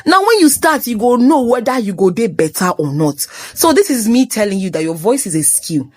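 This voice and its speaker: A young Nigerian woman hosts a motivational talk, slipping between English and Pidgin as she teases and scolds. Her voice sits fairly high and jumps all over the place. It is recorded on a phone, close and dry. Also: big pitch swings, moderate pace, a little mellow, no room sound. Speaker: host.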